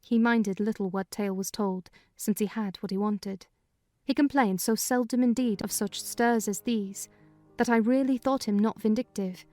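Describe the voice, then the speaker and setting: A woman giving a dramatized first-person reading of a classic novel in measured, clear storytelling. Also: medium pitch, steady tone, mellow, soft background music. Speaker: reader of a novel.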